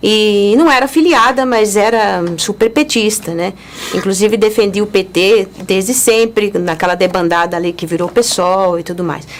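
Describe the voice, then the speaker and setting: There is noticeable background noise behind the speaker. A woman talks at a medium pitch. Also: ordinary pitch variation, moderate pace. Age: 60s. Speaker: political activist. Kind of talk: political talk show interview.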